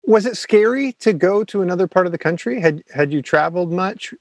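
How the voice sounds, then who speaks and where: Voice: medium pitch, animated, brisk, no echo. An interviewer asking questions with enthusiastic, encouraging interest. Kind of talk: interview conversation.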